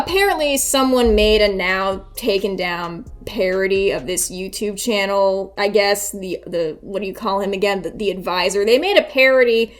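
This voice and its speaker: A woman giving casual, irreverent commentary as a video host, sarcastic and foul-mouthed. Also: mid-range voice.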